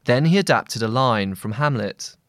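A man narrating a scripted long-read essay as a journalist, in measured, deliberate phrasing. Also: mid-range voice, expressive, a bit bright, no echo, clean studio sound.

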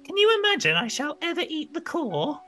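A sulky, hungry wooden puppet boy whimpers in a squeaky falsetto pitched far above a grown voice. The storybook reading has a soft music bed behind it. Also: huge pitch swings, fairly quick, heavily acted. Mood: fussy.

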